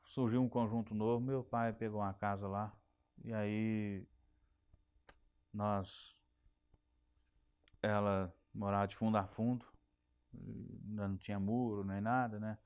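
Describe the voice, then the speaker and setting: A man's voice: on the low side, flat delivery, measured pace, long pauses, a little mellow, smooth. A middle-aged man with a Minas Gerais Brazilian accent, recalling his working life in an oral history interview, often repeating and restarting words. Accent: Brazilian Portuguese, Minas Gerais. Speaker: interviewee, telephone company technician.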